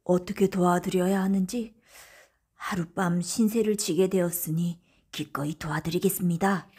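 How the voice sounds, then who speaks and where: A woman's voice: fairly low pitch, fairly even intonation, normal speed, warm tone, husky. A woman voicing a humble, curious male salt peddler in a folktale storybook, polite and earnest in manner.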